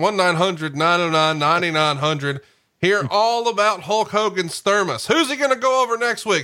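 Bright and sharp in tone, a man's voice sits at a high pitch. He speaks in a raised, projected voice with lively intonation. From Alabama. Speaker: wrestling podcast co-host. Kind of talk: comedic wrestling promo parody, profane mock infomercial. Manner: loud, fast, over-the-top, sarcastic.

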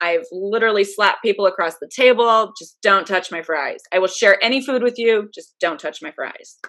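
Using an ordinary speaking voice, a woman with an American accent talks at a moderate pace with hardly any pauses, her pitch fairly high and her pitch variation ordinary. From Chicago, US Midwest. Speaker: flight attendant and amateur boxer. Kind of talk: casual interview chat.

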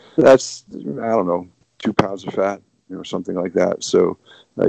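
He has an ordinary speaking voice with a fairly low pitch. The man talks at a moderate pace. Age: 60s. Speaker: doctor and podcast host. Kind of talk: interview.

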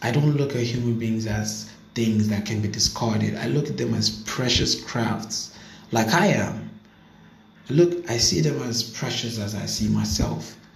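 Noticeable background noise accompanies a man who talks fairly slowly. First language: not English. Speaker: solo podcaster. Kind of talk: casual monologue. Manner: halting, with many fillers.

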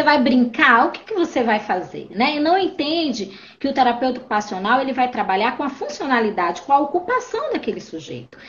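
A woman's high voice at a fairly quick pace, with very wide pitch swings, hardly any pauses and noticeable background noise. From Belém do Pará, northern Brazil. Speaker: occupational therapist and course lecturer. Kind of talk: casual interview.

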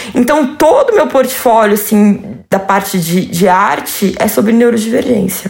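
At a fairly slow pace with hardly any pauses, a woman speaks in a fairly high, somewhat breathy voice with ordinary pitch variation and very even loudness. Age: 30s. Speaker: psychiatrist and artist. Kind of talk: casual chat.

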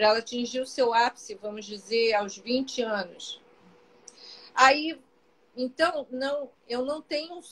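Pausing long and often, a woman with a high pitch speaks at a fairly slow pace with ordinary pitch variation. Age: 60s. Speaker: psychologist and author. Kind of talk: interview conversation.

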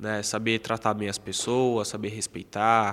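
On a very clean recording with a silent background, a man at medium pitch speaks fairly slowly in a bright, sharp tone. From São Paulo, West Zone favela. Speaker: financial educator, content creator. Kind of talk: casual interview.

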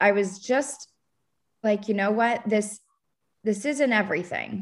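In a very clean recording with a silent background, a woman with an American accent speaks at a fairly high pitch with ordinary pitch variation. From Baltimore, Maryland. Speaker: occupational therapist. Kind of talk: interview.

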